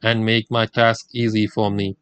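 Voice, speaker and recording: An older man from India, whose first language is Gujarati, gives a formal religious lecture in a measured, deliberate way. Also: lowish voice, little pitch movement, a bit bright, smooth, dry recording. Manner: measured, deliberate delivery with Quranic recitation.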